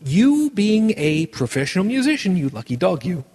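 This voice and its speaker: A man's voice: high-pitched, big pitch swings, moderate pace, darkish tone, slightly rough, in a large hall. A man hosting a casual podcast chat, rambling and restarting as he hunts for words. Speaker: podcast host.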